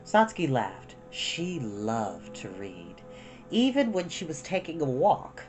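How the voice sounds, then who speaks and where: A storyteller reads a children's book aloud with a lively, varied melody. The delivery is expressive and informal, slipping into casual asides. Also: mid-range voice, slow pace, faint music behind. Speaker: storyteller and host.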